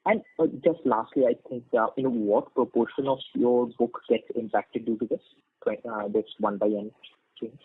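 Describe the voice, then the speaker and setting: A man with a husky, creaky voice, asking questions as an analyst on a conference call. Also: medium pitch, fairly even intonation, normal speed, phone-quality sound. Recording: thin phone connection.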